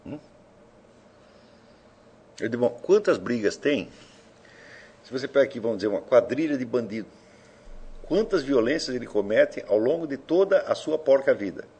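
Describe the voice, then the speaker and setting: A man gives a loose, conversational lecture, firing rhetorical questions at his audience and swearing offhandedly. His voice is husky, and his pitch swings widely as he talks. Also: animated, normal speed, long pauses, a little mellow. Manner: provocative, asks rhetorical questions, swears casually. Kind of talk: informal philosophy lecture.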